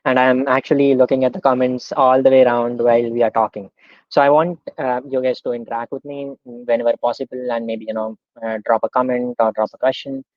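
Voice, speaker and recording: A man's voice: medium pitch, fairly quick, no room sound. Young man on a dull, dry video call. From India. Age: young adult. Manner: relaxed, many "um"s, explains with everyday examples. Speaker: guest speaker. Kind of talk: casual online talk.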